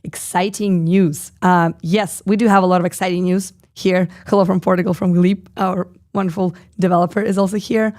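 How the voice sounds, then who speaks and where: A hoarse woman in her thirties with a husky, slightly low voice hosts a live stream. She talks in a chatty, loose way, reads comments aloud and pads her sentences with fillers. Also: steady tone, fairly quick, few pauses, darkish tone. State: hoarse, lost voice. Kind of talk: casual live stream chat.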